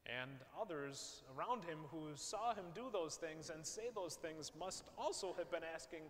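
A male pastor, preaching from a pulpit in a large church, measured and posing rhetorical questions. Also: fairly high pitch. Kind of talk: sermon. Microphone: far camera, pulpit mic. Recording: long church reverb, faint hiss.

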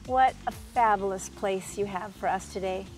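A middle-aged woman hosts an interview in a bright, effusive manner. She is recorded outdoors on a lapel mic, with faint music underneath. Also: medium pitch, moderate pace. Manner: effusive, upbeat. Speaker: TV show host. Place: outdoors at a seaside aquarium.

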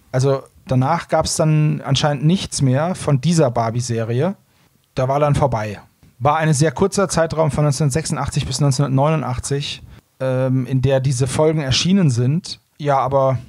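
A man's voice: medium pitch, normal speed, a little mellow, no echo, studio quality. A man hosting a podcast, chatting casually about audio dramas. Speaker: podcast host.

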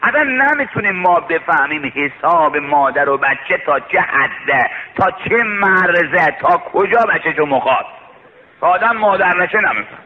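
A man in a high-set voice preaches with fervor, telling a moving story and crying out to his listeners. The sound is thin and tinny, like an old radio broadcast. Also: animated, long reverb tail. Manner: emotional, calls out to the congregation. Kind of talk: impassioned sermon storytelling.

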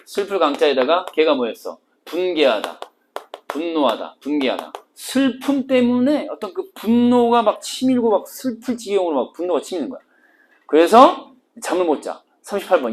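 Animated woman teaching a literature class. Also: medium pitch, a little hiss or hum. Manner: animated, teasing, switches between polite and casual speech. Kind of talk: exam-prep literature lecture.

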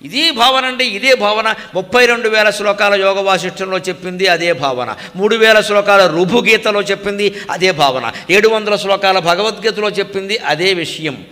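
An older man with a Telugu accent gives a devotional discourse. His voice sits high and bright, and he slips into slow, sing-song Sanskrit chanting. A long reverb trails behind him, as in a large hall. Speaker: spiritual speaker.

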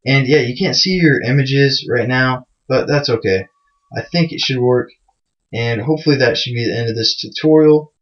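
A man's voice: medium pitch, normal speed. A man hosting a programming screencast, talking loosely and mocking himself, with plenty of fillers. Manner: loose, chatty and self-mocking, with many fillers. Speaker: programming tutorial host. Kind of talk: casual screencast tutorial. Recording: dull lo-fi mic sound.

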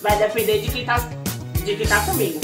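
A woman's voice: mid-range voice, fairly even intonation, a little fast. A woman, introducing herself in an upbeat, self-promoting audition video. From Salvador, Bahia. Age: 40s. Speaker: reality show applicant. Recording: echoey room with loud music.

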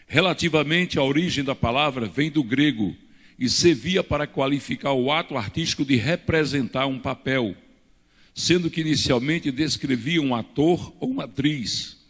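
A man's voice: mid-range voice, normal speed, fairly bright tone, husky. An older man from Brazil, a pastor preaching a teaching sermon at a pulpit into a handheld mic, with emphatic rises and gestures. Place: church stage at a pulpit. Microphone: handheld microphone. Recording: reverberant church hall.

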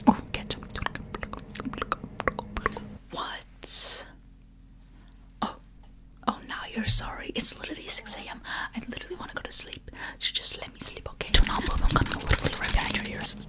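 A woman's voice: moderate pace, long pauses. A woman in her twenties whispering a chatty, playful ASMR roleplay up close to the microphone. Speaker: ASMR video creator.

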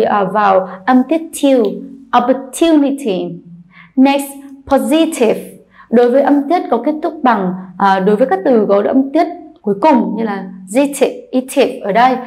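A woman teacher with a Vietnamese accent giving an English lesson, explaining quickly and then reading words slowly for drilling. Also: on the high side, darkish tone, rough recording. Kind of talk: bilingual classroom lesson.

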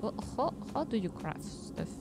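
With heavy noise in the background, a French VTuber in her youth keeps up very animated gameplay chat with her viewers at a moderate pace. She's playful and giggly, and her pitch jumps up when she protests.

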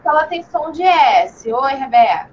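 A woman's voice: sits high, animated, a little mellow, a little hiss or hum. A woman teaching an online class to young children, patient and encouraging, with lo-fi video call audio. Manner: patient, slow and encouraging, calls herself "tia". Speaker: primary school teacher.

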